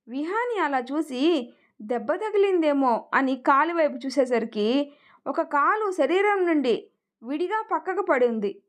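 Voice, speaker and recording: A woman narrating an emotional family story with an expressive, feeling reading. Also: high voice.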